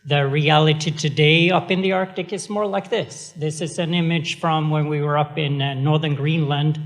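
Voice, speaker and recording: A man's voice: fairly high pitch, fairly even intonation, normal speed. Swedish-accented man giving an event speech. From Sweden. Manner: chatty, self-deprecating, many fillers. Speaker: executive director.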